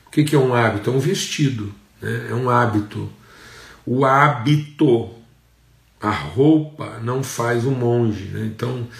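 A Brazilian man preaching a sermon as pastor, with repeated phrases and emphatic rises in pitch. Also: vocal fry, echoey room. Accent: Brazilian Portuguese.

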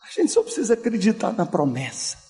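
A male pastor preaching a sermon, swinging from loud, slow declarations down to soft, hushed passages. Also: sits high, huge pitch swings, gravelly, soft background music. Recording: long hall reverb.

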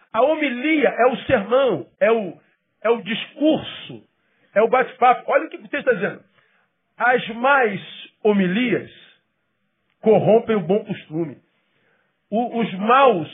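A male pastor preaching a sermon, emphatic and then dropping to quiet asides. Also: sits high, husky, phone-quality sound. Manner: acts out quoted people in quick bursts.

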